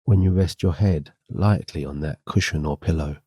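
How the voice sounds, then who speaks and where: A man giving a scripted sleep hypnosis and guided meditation in a gentle, soothing, guiding way. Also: extremely low pitch, normal speed, husky, no room sound, highs cut off.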